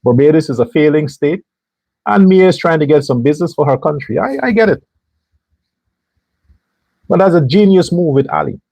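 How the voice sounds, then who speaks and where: Guy ranting on his own show, husky and a bit high, dry close sound. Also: animated, normal speed, long pauses, darkish tone, no room sound. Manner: emphatic, talks straight to viewers, mock voices for others. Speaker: political commentary show host. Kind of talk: animated political monologue.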